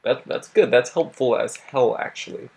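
A young man with a husky, worn voice that he is losing, giving casual gameplay commentary, swearing and talking to himself. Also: mid-range voice, normal speed, faint music behind. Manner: swears a lot, laughs often, talks to himself. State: losing his voice. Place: home at night.

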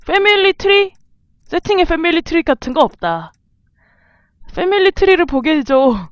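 A woman's voice: very high-pitched, animated, moderate pace, dry recording, highs cut off. A woman casually commenting on a video game as she plays, chatting to the animals on screen. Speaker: game streamer. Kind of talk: casual let's-play commentary.

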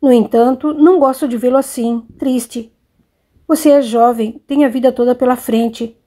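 A worried, gentle mother in an audiobook, voiced by a woman reader, coaxing and questioning softly in a somewhat high, mellow voice. She sounds caring and persistent. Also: steady tone, moderate pace, natural voice.

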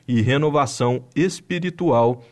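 A man with a Brazilian Portuguese accent reading a scripted news voice-over in an even, measured way. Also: medium pitch. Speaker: news narrator.

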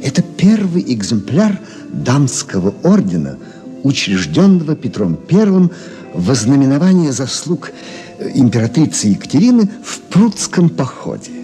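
An actor playing an erudite jewellery expert in a radio drama, lecturing in a pedantic, expressive manner. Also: male voice, medium pitch, normal speed, soft background music. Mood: lecturing, reverent. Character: Pyotr Petrovich, erudite male jewellery expert, lecturing with relish. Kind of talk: Soviet-era radio drama monologue.

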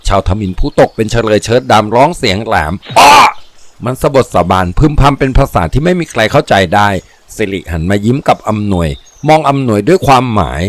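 Man, audiobook narrator, steady vivid telling, mid pitch, dry close sound. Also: fast, few pauses, no room sound. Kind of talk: dramatic audiobook reading.

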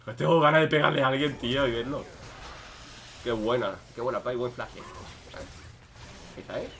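A young man giving casual, joking commentary over his own gameplay, swinging between loud outbursts and low muttering. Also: moderate pace, a little hiss or hum. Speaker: gaming streamer.

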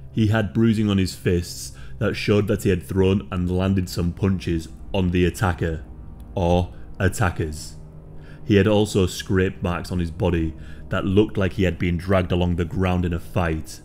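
A man reading a scripted true crime story in a steady, solemn manner. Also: low-pitched.

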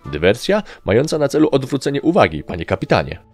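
A man's voice: mid-range voice, big pitch swings, quick pace, creaky, soft background music, pitched above the performer's own voice. A man voicing a small, cheeky male gnome soldier who reports eagerly to his captain. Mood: quick excuses. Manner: bright, eager military reporting.

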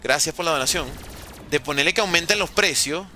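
A Venezuelan man streaming a game live, chatting with viewers and reacting in quick bursts. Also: fairly high pitch, a little hiss or hum. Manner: lively, banters with chat, talks fast in bursts. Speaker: gaming streamer. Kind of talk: live gameplay commentary reading chat.

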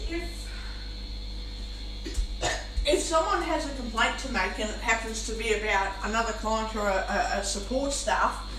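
Woman, higher-pitched, exasperated casual venting while eating; distant, slightly noisy recording. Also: moderate pace, long pauses, music in the background. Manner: talking while eating, mouth sometimes full; exasperated, complaining. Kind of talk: venting monologue, casual spoken vlog. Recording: roomy, noisy, far from the mic.

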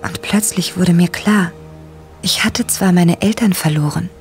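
Woman doing a young woman narrator, fairly low voice, breathy, dramatic, audio drama over music. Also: unhurried, darkish tone. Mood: shaken. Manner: dramatic, breathy, dropping to whispers. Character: young woman recounting a shocking discovery.

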